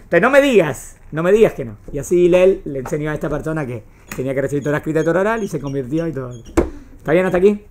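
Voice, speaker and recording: A woman's voice: low-pitched, expressive, very fast, a little mellow, slight background noise. A woman with a Rioplatense Spanish accent teaching a class, often checking whether her students have understood. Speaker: religious studies teacher. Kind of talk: classroom lecture.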